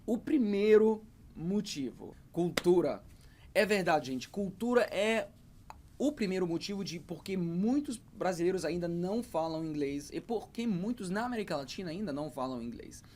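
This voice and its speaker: A man's voice: sits high, expressive, moderate pace, a little mellow, slight background noise. A man in his thirties, an English teacher speaking to camera, hesitant, with many fillers and repeated words. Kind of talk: talking to camera about learning English.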